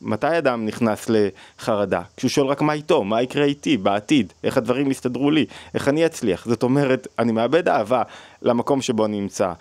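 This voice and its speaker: A man's voice: medium pitch, a little mellow, dry recording. Male lecturer, mid-range voice, thoughtful questioning delivery, dry recording. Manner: thoughtful, questioning, with frequent restarts. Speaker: psychology lecturer on the weekly Torah portion. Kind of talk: spoken teaching talk.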